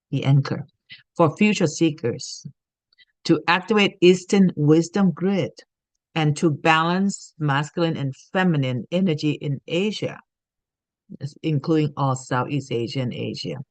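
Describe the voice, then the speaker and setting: A woman's voice: deep voice, no echo. A woman from Thailand giving an earnest spiritual teaching talk, often checking in with "okay?".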